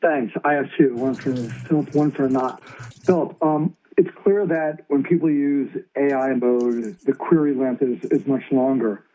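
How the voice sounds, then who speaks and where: Male financial analyst caller, soft-edged mid voice, earnings call questions, dull low-fidelity line. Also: unhurried.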